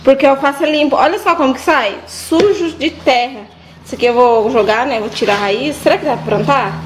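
A woman's voice: high-pitched, fairly quick. Young woman, Brazilian accent, casual farm vlog, chatty, points things out, faint outdoor noise. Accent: Brazilian Portuguese. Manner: chatty, addresses viewers often, points things out. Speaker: vlogger. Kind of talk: casual vlog chat to viewers. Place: outdoors in a vegetable garden on a farm.

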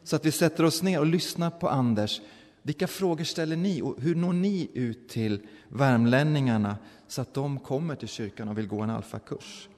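A man, a pastor, telling a story in a sermon in a relaxed, conversational way, often restarting his sentences. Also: medium pitch. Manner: conversational, with restarts and quoted voices. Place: church. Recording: church hall with long reverb.

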